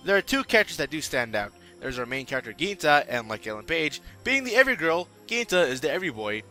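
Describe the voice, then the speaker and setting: A man's voice: on the high side, sing-song, fast talker, bright, forceful tone, faint music behind. A young man narrating a scripted comedic anime review with sarcastic, joking asides.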